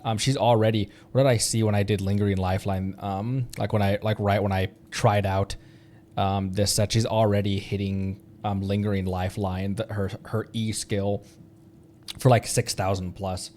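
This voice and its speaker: A man's voice: lowish voice, little pitch movement, moderate pace, darkish tone, a little hiss or hum. A man chatting casually as he hosts a gaming livestream, rambling in loose asides. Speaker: streamer and channel host.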